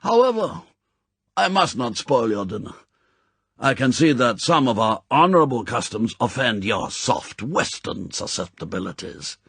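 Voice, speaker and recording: Man acting a proud, ceremonious Japanese spymaster, swooping pitch. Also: very animated, a little slow, gravelly, fairly bright tone, slightly rough, no echo, exaggerated voice. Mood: gracious. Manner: formal, stilted, courtly phrasing.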